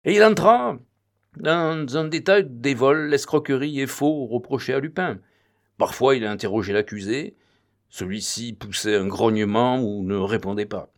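A man's voice: medium pitch, moderate pace. Man reading a novel aloud. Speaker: audiobook reader. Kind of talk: read-aloud narration.

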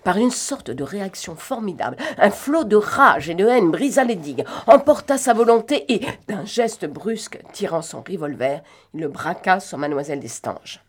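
A woman narrating a novel in an expressive, dramatic reading. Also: medium pitch, moderate pace, few pauses, slightly rough. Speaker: audiobook narrator.

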